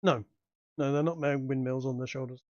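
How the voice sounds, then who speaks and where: A man's voice: medium pitch, fairly even intonation, no room sound, highs cut off. A man narrating a tabletop game as game master, describing scenes with frequent fillers and restarts. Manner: halting, many restarts and fillers.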